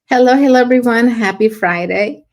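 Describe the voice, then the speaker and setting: A woman's voice: fairly high pitch, normal speed, a little mellow. A woman from Mexico co-hosting a podcast, announcing in a cheerful, list-like way. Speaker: podcast co-host. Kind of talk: casual podcast talk.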